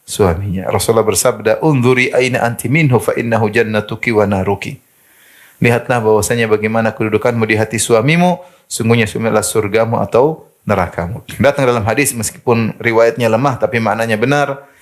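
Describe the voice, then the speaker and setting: A man's voice: on the low side, brisk. A man preaching an Islamic sermon to women, telling stories and mimicking the people he quotes. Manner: animated storytelling, mimics quoted speakers.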